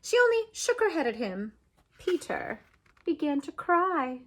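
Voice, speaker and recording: A woman reading a children's story aloud as an animated narration, expressive, with dramatic swoops and pauses. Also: high-pitched. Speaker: storybook reader.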